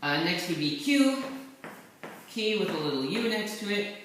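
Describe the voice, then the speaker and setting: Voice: mid-range voice, expressive, normal speed, fairly bright tone, recorded from a distance. A person giving a laid-back, rambling tutorial while writing characters, with offhand asides. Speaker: language tutor. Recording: very echoey room, voice set back from the mic, faint hiss.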